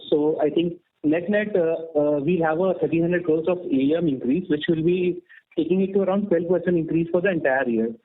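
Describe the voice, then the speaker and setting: A man asking a hesitant question on a conference call, his faint phone line sounding distant and cutting out. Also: a little high. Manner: hesitant, many filler sounds. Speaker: analyst caller on an earnings call.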